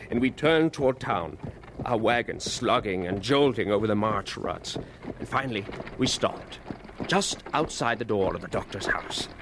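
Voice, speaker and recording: An actor playing an elderly English gypsy evangelist in a radio drama, recalling his childhood with theatrical, savouring pauses. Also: mid-range voice, natural voice. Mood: grave. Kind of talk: dramatized first-person radio narration. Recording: noisy vintage radio drama recording.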